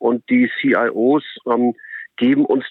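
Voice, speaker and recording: A man's medium-pitched, unremarkable speaking voice with ordinary pitch variation. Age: 50s. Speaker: SAP licensing consultant and network founder. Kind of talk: interview. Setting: phone call.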